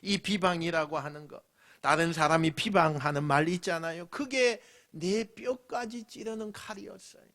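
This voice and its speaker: Dramatic Korean pastor with a Busan accent. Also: male voice, high voice, moderate pace. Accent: Busan Gyeongsang dialect. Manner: dramatic preaching, swings from loud to whispered lines; acts out mocking voices of scoffers. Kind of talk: sermon.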